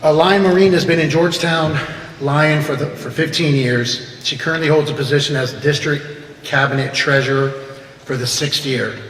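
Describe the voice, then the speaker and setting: A man's voice: a little high, fairly even intonation, moderate pace, a bit bright. A man reading out a biographical introduction of a guest speaker at a club meeting. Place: large echoey meeting room. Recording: echoey hall with background noise.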